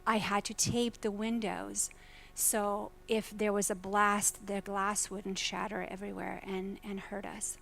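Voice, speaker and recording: Woman from Croatia, mid-pitched, earnest conference speaker who quizzes the room. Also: level tone, a little slow, gravelly, fairly bright tone, slight background noise. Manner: earnest, asks the audience questions. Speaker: faculty presenter. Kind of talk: conference keynote talk. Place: lecture hall at a business summit.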